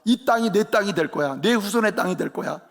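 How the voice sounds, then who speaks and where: A man voicing God, who speaks calmly and reassuringly to a sleeping person. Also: high voice, brisk, gravelly, exaggerated voice. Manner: calm, assuring, fatherly.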